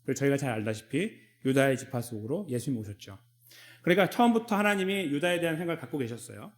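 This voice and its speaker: A man's voice: medium pitch, animated, fast talker. A man preaching a Sunday sermon as a pastor, in a conversational way, acting out short dialogues between God and the people. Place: church sanctuary.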